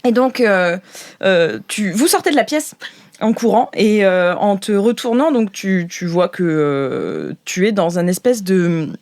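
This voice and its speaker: A woman's voice: mid-range voice, lively intonation, a little slow, a little mellow. A woman game master improvising narration for a sci-fi audio role-playing game in an informal, playful, slangy way.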